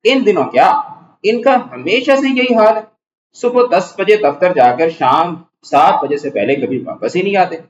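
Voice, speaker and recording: A man's voice: sits high, expressive, pitched above the performer's own voice. A man reading as a fussy scolding wife. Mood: fretful chiding. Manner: chiding, fretful, bustling. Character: fussy bossy middle-aged wife of the house. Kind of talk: reading a play aloud in class. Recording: echoey room, dull lo-fi sound.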